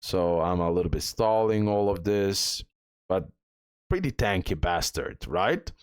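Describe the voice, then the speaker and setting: A man's voice: sits low, lively intonation, unhurried, clean tone, dry recording, clean studio sound. A man giving casual gameplay commentary as the host of a game guide, repeating himself and checking in with the listener.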